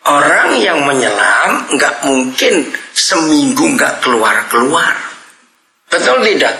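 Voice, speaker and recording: An older man preaching a lively sermon, asking the congregation questions and often shouting and laughing. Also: mid-range voice. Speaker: pastor. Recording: echoey room.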